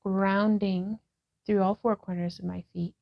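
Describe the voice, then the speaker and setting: A woman in her thirties leading a guided yoga session as a vlogger, cueing each pose calmly and gently. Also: medium pitch, unhurried, creaky. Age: 30s. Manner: calm, gentle cueing with breath prompts. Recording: slightly dull lo-fi sound.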